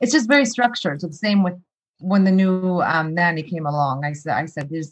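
With an American accent, a woman talks at a fairly quick pace, her intonation lively and her voice somewhat breathy. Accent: sounds American. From Jordan. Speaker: mother of four, dog owner. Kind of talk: casual chat.

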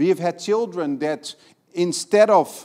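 This man's intonation sounds lively. He takes a fairly slow pace. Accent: Dutch. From Netherlands. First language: Dutch. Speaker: missionary preacher. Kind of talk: sermon. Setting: church.

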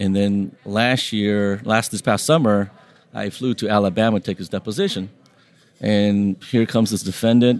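Speaking at a moderate pace, a man with a Southern Californian accent uses a fairly low pitch and fairly even intonation. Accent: Southern California American. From Long Beach, California, US (Vietnamese family). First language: Vietnamese. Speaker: trial attorney. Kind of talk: podcast interview. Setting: convention hotel recording.

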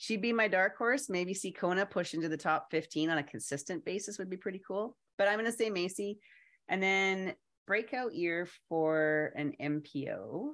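In a very clean recording with a silent background, a woman speaks at a moderate pace in a plain, everyday voice of medium pitch with lively intonation. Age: 50s. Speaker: podcast co-host, disc golfer. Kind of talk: casual chat.

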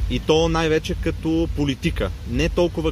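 A man speaks at a moderate pace with noticeable background noise around him. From Bulgaria, Sofia. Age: 30s. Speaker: political activist, small business owner. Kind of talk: casual interview. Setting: outdoors in a park.

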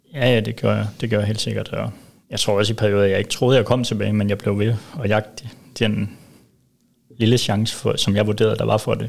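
A man's fairly low, monotone voice with flat intonation, vocal fry and long, frequent pauses. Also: fairly quick pace. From Denmark, Silkeborg (central Jutland). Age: 20s. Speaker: retired footballer. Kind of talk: interview. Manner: halting.

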